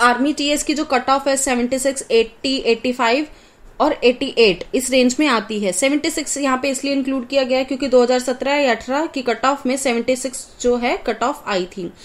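Hardly any pauses break the speech, which plays over noticeable background noise. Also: woman, high pitch for a woman, moderate pace. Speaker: defence exam coaching educator. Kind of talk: educational explainer video.

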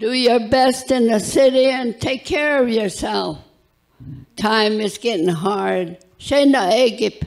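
A woman's fairly high voice at a very slow pace, with ordinary pitch variation over a quiet background. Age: 90s. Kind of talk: award acceptance speech. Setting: live event, audience. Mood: heartfelt, earnest. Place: hall. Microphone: handheld.

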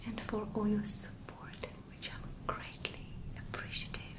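A woman is whispering. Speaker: ASMR creator. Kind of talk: casual talk to camera. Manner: whispered, soft-spoken. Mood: warm, grateful. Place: home room.

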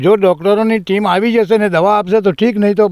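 Against a quiet background, a man with a high voice is heard in a dry sound with no echo. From Gujarat, Bharuch district (Vagra area); Gujarat. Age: 60s. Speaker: camel herder. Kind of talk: interview testimony. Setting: outdoors. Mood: grieved, complaining. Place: open country. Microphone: handheld.

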